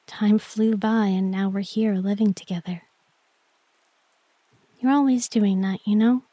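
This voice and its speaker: A woman playing a shy, tender young girlfriend in an intimate romantic sleep-aid roleplay, speaking softly and breathily, often near a whisper, with gentle hesitancy. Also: medium pitch, fairly even intonation, a little slow, dry recording, lo-fi sound, close to an everyday voice. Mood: loving, vulnerable. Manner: gentle, hesitant, intimate address to one listener.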